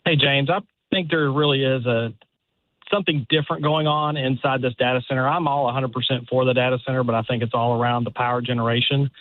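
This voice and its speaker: A man's voice: mid-range voice, fairly even intonation, quick pace, no room sound. Male caller on a tinny phone line. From Dallas area. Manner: earnest, rambling explanation. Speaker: radio caller.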